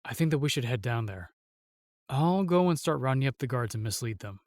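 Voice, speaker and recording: A man playing a steadfast, protective royal guard, formal and measured, in a fantasy audio drama. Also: medium pitch, expressive, no room sound, studio quality, natural voice. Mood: calm, resolute.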